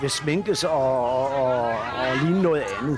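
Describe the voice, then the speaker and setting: With crowd noise in the background, a man talks using lively intonation. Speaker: TV reporter. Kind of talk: on-location reporting. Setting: outdoors.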